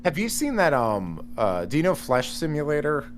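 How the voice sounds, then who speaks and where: A man in casual podcast chat, talking in an animated, rambling way with many restarts. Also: fairly high pitch, moderate pace, a little hiss or hum. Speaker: podcast guest.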